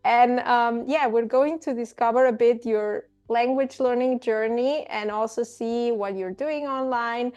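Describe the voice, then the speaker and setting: A woman hosting an interview about language learning, friendly and animated, chatting casually with her guest. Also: fairly high pitch, measured pace, hardly any pauses, clean tone. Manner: friendly, animated, laughs easily. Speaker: host.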